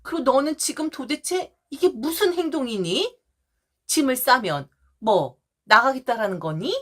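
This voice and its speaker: A woman voicing a scheming older mother-in-law who pleads and then scolds her daughter-in-law in a high, sharp voice. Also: very animated, unhurried, exaggerated voice. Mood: indignant scolding.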